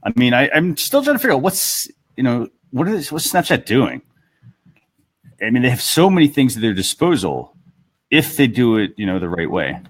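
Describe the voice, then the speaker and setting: A man hosting a casual panel discussion, talking a little haltingly as he thinks aloud. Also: medium pitch, big pitch swings, slightly rough. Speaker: talk show host.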